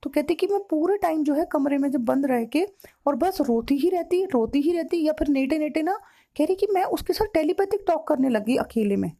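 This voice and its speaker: A woman with a fairly high, mellow voice retells a client's story as a spiritual counselor. She speaks in long runs of reported speech and comes back to the same phrases again and again with emotional weight. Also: expressive, fairly quick.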